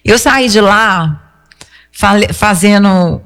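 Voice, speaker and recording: A Brazilian woman speaks as a singer in a casual interview, recounting stories with emphasis and quoted dialogue. Her voice sits at an average pitch for a woman, and the recording carries a long, hall-like reverberation. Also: slow pace, a bit bright. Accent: Brazilian Portuguese.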